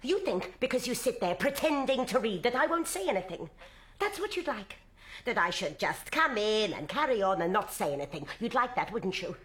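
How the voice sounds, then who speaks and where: A woman's voice: medium pitch, big pitch swings, moderate pace, fairly bright tone. An actress playing a fiery, bitterly disappointed working-class Jewish wife and mother, scolding and sarcastic, in a dramatic stage style. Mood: bitter sarcasm. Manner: scolding, sarcastic, emotionally volatile. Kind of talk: dramatic stage-play acting.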